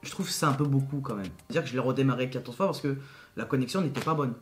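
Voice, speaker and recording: Man, casual slangy commentary, rapid delivery, emphatic, incredulous, repetitive, faint music underneath. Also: mid-range voice. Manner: incredulous, emphatic, repeats himself. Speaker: YouTuber commenting on his recorded call.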